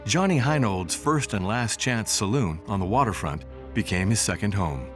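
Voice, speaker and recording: A man delivers scripted documentary narration in a fairly low voice. His intonation moves expressively as he tells the story in measured phrases, over a clear bed of music. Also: animated, fairly bright tone.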